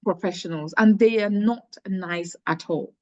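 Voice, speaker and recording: A middle-aged woman speaks in a mid-pitched voice, recounting her life story earnestly with frequent restarts. The sound is dry and close, with no room echo. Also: unhurried, highs cut off. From Cameroon. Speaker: charity founder, guest. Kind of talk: personal story in interview.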